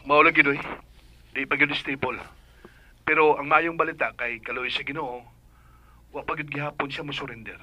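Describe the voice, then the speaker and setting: Batan-ong Bisayang pari, medyo taas og tingog. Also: male voice, fairly high pitch, steady tone, normal speed, pauses often, slight background noise, low-quality recording. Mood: earnest. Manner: respectful, soft-hearted, earnest. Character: Pader, gentle grateful younger priest, earnest and devout. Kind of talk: Bisaya radio drama comedy acting.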